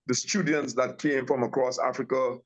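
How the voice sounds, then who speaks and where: A man's voice: mid-range voice, level tone, normal speed, dull audio. A man from Guyana, a tea company owner, talking casually as an interview guest over a remote call, rambling with many restarts and fillers.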